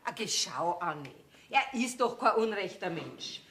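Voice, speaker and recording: An actress with a Bavarian accent playing a fed-up middle-aged farmer's wife with scolding, dry retorts, on a theater stage. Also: female voice, medium pitch, very animated, measured pace, a bit bright. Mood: soothing. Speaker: stage actor. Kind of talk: folk theater comedy acting. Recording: echoey stage recording.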